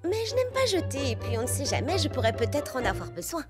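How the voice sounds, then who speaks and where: A woman voicing an excitable, sweet young girl in a French children's cartoon, expressive, eager and dramatic. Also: high-pitched, fast. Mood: reassuring. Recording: music bed behind the voice.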